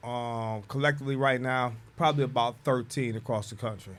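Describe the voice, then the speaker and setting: Guy in his 50s, veteran dj guest on a radio chat, slow drawl, regular pitch. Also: steady tone, a little hiss or hum. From Detroit, USA. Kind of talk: casual radio interview.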